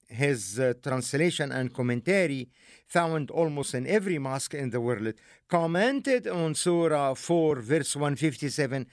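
A man from Egypt, giving a deliberate, emphatic teaching lecture with rhetorical asides. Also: fairly high pitch, no room sound, clean studio sound. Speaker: religious lecturer.

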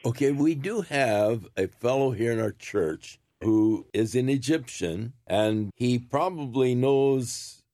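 A man from a church calmly recommending something. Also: mid-range voice, slow, hardly any pauses, no room sound, studio quality.

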